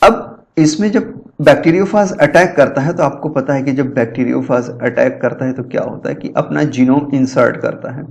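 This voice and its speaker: A man's voice: fairly high pitch, creaky, a little mellow. Man explaining exam questions step by step. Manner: explains step by step, asks and answers his own questions; reads English question text slowly, mixes Hindi and English. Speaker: lecturer. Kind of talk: exam-prep lecture.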